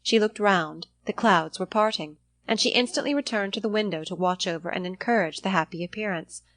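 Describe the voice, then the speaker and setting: A woman's voice: medium pitch, a little fast, a bit bright. A woman reading a classic novel as an audiobook narrator, in scripted storytelling style.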